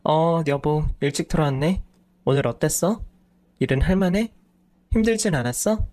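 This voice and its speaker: A man's voice: fairly high pitch, moderate pace, natural voice. A man voicing an exasperated wife who nags her husband sharply, in a storybook reading. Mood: cheerful. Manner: scolding, sharp-tongued. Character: exasperated nagging wife, woman in her thirties.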